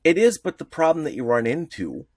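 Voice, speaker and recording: A man co-hosting a podcast in casual chat, rambling and animated, with many restarts. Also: on the high side, brisk, no room sound, clean studio sound. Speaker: podcast co-host.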